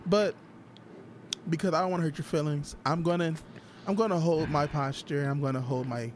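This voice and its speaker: A man with an African American accent and a fairly high voice talks casually with friends. He restarts and doubles phrases for emphasis. There is some noise and room ambience behind him. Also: normal speed. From Toledo, Ohio, USA. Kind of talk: casual group chat.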